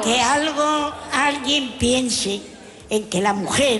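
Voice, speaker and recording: A woman's high-pitched voice at a very slow pace, with ordinary pitch variation and faint music in the background. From Spain. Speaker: audience member. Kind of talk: audience member speaking on a TV talk show. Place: stage. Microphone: handheld.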